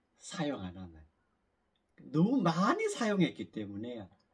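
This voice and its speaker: A man at a very slow pace over a quiet background. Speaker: fasting practitioner. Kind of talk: casual chat. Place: home room.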